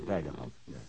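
An actor playing a flustered middle-aged father and police inspector in a radio drama, talking hesitantly in a husky voice. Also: on the low side, a bit bright, a little hiss or hum, full character voice. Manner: hesitant, halting. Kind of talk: Dutch radio drama dialogue.

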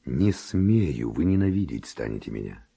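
A man's voice: extremely low pitch, big pitch swings, normal speed, gravelly, warm tone, slightly rough, exaggerated voice. An actor playing a passionate Spanish nobleman seducer, speaking verse in an ardent, declamatory radio drama manner. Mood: anguished reluctance.

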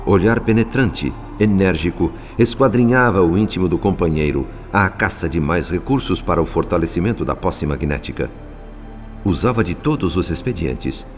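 A man's voice: low voice, animated, normal speed. A man with a Brazilian accent giving solemn, formal scripted narration for a radio drama. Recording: faint music behind the voice.

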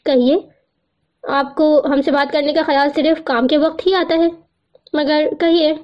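A woman's voice: high voice, steady tone, lightly acted. A woman voicing a young man on the phone who speaks in a stiff, dry, unbending way. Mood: curt. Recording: muffled lo-fi recording.

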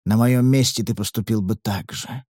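A man voicing a stern, calculating old male patriarch who speaks slowly and low in an audiobook. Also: mellow, dry recording, studio quality, close to an everyday voice. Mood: cold, measured. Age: older. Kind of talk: audiobook character reading.

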